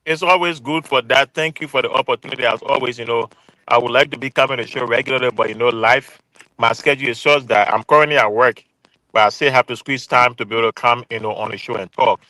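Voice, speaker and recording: A man's voice: medium pitch, fast talker, sharp tone, no echo, rough recording. A man, calling in as a guest commentator from work and speaking emphatically and pointedly. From Liberia. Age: 40s. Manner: emphatic, pointed, repeats key phrases. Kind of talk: earnest call-in commentary. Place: calling in remotely from his workplace.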